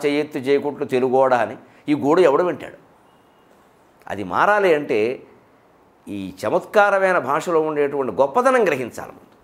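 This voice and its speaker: A man lecturing on literature and culture with a fairly high voice. He drives his points home with rhetorical questions and keeps the delivery emphatic. He slips into quick mimicry of the people he criticizes. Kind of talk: public lecture on poetry and culture.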